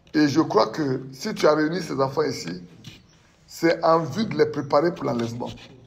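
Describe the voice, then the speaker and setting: With lively intonation, a man speaks at a fairly high pitch amid audible room echo. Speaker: preacher. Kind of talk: prayer; sermon.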